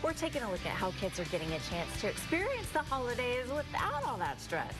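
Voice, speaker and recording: A woman's voice: a little high, wildly swooping pitch, a little fast, over loud music. An American woman presenting morning news and weather in a conversational, chatty way. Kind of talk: live newscast, partly ad-libbed forecast.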